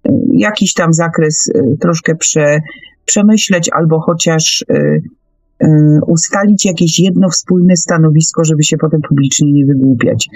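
A woman hosting a radio discussion, talking in a halting, deliberate way with frequent hesitations. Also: deep voice, mellow, no echo. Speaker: host.

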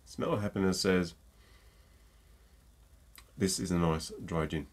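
Stuffy-nosed man with a deep gravelly voice. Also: slow pace. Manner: chatty and jokey, with many ums. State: stuffy nose from a cold. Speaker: gin reviewer. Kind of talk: casual tasting chat to camera. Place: home room with shelves of bottles. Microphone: desk mic close up.

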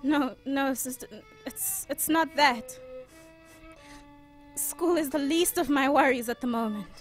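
A woman acts an earnest young woman in a radio play, troubled and fiercely protective of her family. Her voice sits high, hesitant yet determined, with faint music around it. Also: unhurried. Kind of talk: audio drama acting.

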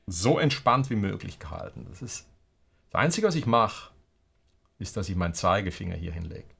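A man's voice: fairly low pitch, creaky. A man teaching a guitar lesson, explaining strumming rhythms and counting the beats aloud. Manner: counts beats aloud and sings snippets of rock songs while explaining. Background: guitar playing.

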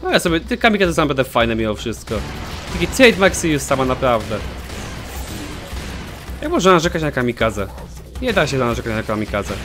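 A man's voice: medium pitch, fairly quick, long pauses, over music. A young man commenting casually on his own gameplay, joking and swearing at himself. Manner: animated, swears a lot, jokey self-talk. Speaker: gaming channel host. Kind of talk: let's play commentary.

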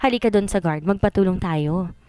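A woman's voice: fairly low pitch, fairly quick, a little mellow, clear, resonant tone, no room sound, close to an everyday voice. A woman voicing a sassy, teasing gay male best friend who talks in a brash way. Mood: urgent.

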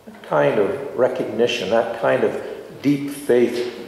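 A middle-aged man, a priest, giving a sermon in a deliberate, reflective way with pauses between short phrases. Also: mid-range voice, gravelly, darkish tone, slight background noise. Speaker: priest preaching a homily. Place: large stone church, indoors. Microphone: microphone on a stand at the lectern. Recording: very echoey church with long reverb.

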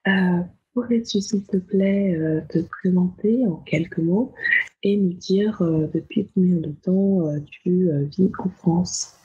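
A woman hosting a podcast interview, asking questions slowly with many hesitant fillers. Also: fairly low pitch, breathy edge, dull audio. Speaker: podcast host. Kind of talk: interviewing a guest.

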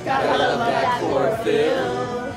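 A woman's voice: a little high, slow pace, a crowd in the background. A woman singing a song in a live puppet show in an event hall. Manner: singing a capella over music. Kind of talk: live sung performance. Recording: echoey hall from far off.

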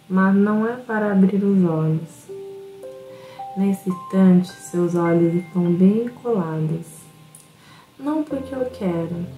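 A woman with a Brazilian Portuguese accent guiding a self-hypnosis meditation in a slow, soothing, instructive way. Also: fairly low pitch. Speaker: hypnotherapy guide. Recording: roomy echo with soft music behind.

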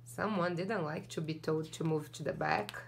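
A woman's voice: sits low, normal speed, vocal fry, a little hiss or hum. A young woman teacher reading a picture book aloud to children and singing along, cheerful and sing-song, recorded in front of a camera in a small classroom corner.

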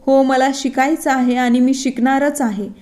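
A woman voicing a shy, timid middle-aged housewife who speaks in a halting, hesitant way. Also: high voice, steady tone, darkish tone. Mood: determined.

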